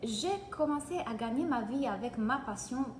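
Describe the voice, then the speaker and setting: A woman from Italy with an Italian accent, giving an energetic live-streamed coaching session in French and greeting viewers by name. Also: on the high side, normal speed, slight background noise. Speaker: business coach. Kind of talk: live-streamed free training. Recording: echoey room, faint ambience.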